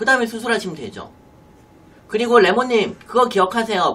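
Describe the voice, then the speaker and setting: A woman's animated tone. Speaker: internet broadcaster. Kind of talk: casual chat. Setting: live stream. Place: home room. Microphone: studio mic.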